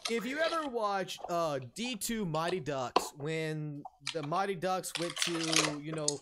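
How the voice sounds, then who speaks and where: A man in his thirties rants into his stream mic, swearing constantly and circling back over his points. His pitch swings widely as he gets worked up. A faint hiss sits under the voice. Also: lively intonation, unhurried. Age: 30s. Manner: profane, heated, rambling with restarts. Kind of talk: ranting open discussion.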